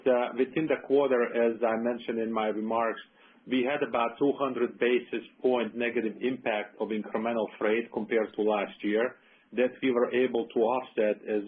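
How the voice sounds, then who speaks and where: A man explains financial results as an executive on an earnings call. His voice is flat and a little rough, heard through a narrow phone line, and the manner is businesslike. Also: medium pitch, normal speed. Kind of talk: answering analyst questions on earnings call. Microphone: telephone conference call.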